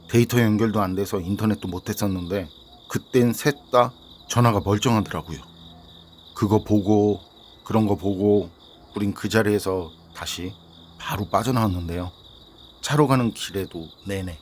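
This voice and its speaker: A man with a low voice tells a ghost story in the first person. He keeps a calm, steady storytelling pace, and a faint hiss sits under the recording. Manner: calm storytelling, reading a listener's submitted story. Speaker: horror story narrator.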